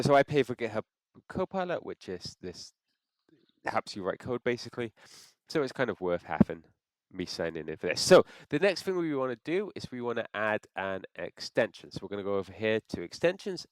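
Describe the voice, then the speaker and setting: A man with a cold, sounding congested, talking through a software install step by step and thinking aloud as he clicks. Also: fairly low pitch, no room sound. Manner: thinks aloud with frequent restarts. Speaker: software tutorial presenter. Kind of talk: screen-recorded how-to walkthrough.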